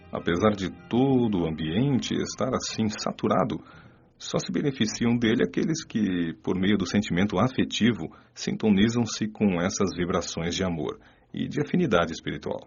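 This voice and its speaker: A man playing a calm spirit mentor in an audio drama, explaining teachings in a formal, measured, instructive way. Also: fairly low pitch, slightly rough, lo-fi sound. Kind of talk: audiobook radio drama, didactic monologue. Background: music.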